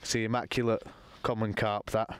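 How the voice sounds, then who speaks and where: A young man talking casually to camera while fishing from a lake bank outdoors, explaining his session in a relaxed, matter-of-fact way. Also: fairly low pitch, normal speed, clear, resonant tone. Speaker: angler presenting a fishing session.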